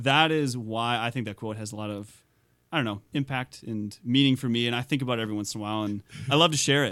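Talking at a very fast pace, a man with an American accent speaks at a medium pitch with ordinary pitch variation. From Minnesota, US. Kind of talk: casual chat. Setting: studio.

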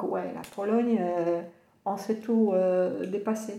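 A woman with a Polish accent and a medium-pitched voice speaks with ordinary pitch variation amid audible room echo. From Poland, German border area. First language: Polish (speaking French). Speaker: translator. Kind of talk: interview. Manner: halting, many repetitions.

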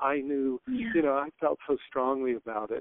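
A normal speaking voice with an American accent moves at a fairly slow pace with ordinary pitch variation. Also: man. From Los Angeles, US West Coast. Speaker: textile artist and educator. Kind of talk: interview.

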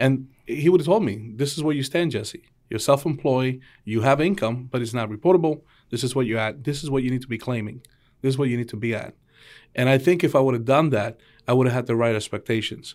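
In a very clean recording with a silent background, a man with an ordinary speaking voice talks fairly quickly at a medium pitch with ordinary pitch variation. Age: 40s. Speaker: real estate agent and public speaker. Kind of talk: casual interview.

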